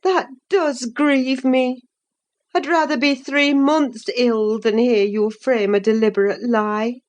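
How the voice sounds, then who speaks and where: A woman's voice: sits high, lively intonation, takes it slowly, a little mellow, pitched above the performer's own voice. A woman doing a reproachful middle-aged housekeeper. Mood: sorrowful. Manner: reproachful, scolding.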